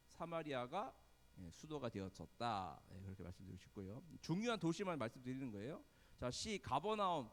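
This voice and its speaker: A male pastor teaching a Bible study, quizzing his listeners with frequent questions and quick asides. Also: fairly high pitch, in a large hall. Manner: lively, quizzes the congregation with questions.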